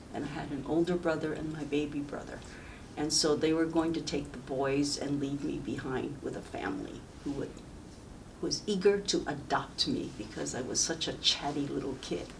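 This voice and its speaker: A woman with an American accent speaks in a very deep, low voice at a moderate pace. Her intonation is fairly even, and audible room echo surrounds her. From southern China, then US. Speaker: oral history interviewee. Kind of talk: oral history interview. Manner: hesitant, many fillers.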